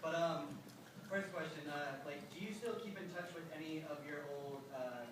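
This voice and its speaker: A man's voice: on the high side, normal speed. A man in the audience asking a question at a convention, hesitant with many ums. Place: large convention hall. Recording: distant voice in echoey hall, noisy.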